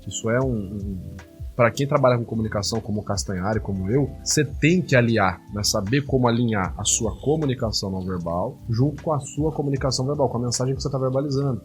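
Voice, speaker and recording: A man breaks down a debate in quick, casual commentary. He talks fast, animated and indignant, dropping slang and filler words, with faint music underneath. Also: medium pitch. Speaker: host analyzing rhetoric.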